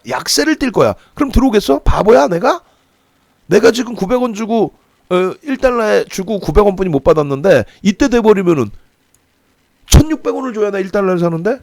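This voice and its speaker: A middle-aged man hosting a stock market channel, lecturing on currency and stocks with rhetorical questions and a scolding, lively manner. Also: high-pitched, vocal fry, no echo.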